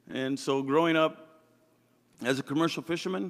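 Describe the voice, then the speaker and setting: With a Pacific Northwest accent, a man talks at a very fast pace. His pitch varies in an ordinary way. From Washington State, Anacortes. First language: Croatian. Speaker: political candidate. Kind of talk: candidate forum speech. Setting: community forum with audience.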